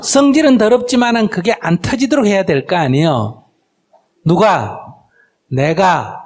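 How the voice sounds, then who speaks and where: A man's voice: sits high, lively intonation, measured pace. A man, a Buddhist monk giving a question-and-answer dharma talk, firing rhetorical questions at the audience and acting out quoted exchanges. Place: lecture hall with audience.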